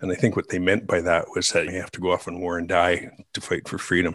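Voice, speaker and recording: Against a quiet background, a man with a normal speaking voice and fairly low pitch talks at a fairly quick pace. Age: 60s. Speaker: philanthropist and author. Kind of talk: interview.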